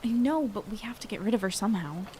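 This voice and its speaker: A woman's voice: mid-range voice, animated, fast talker, a little mellow, slight background noise, close to an everyday voice. A woman playing a practical, reflective young narrator in an audio drama, speaking casually. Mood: exasperated. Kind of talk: first-person audio drama narration and dialogue.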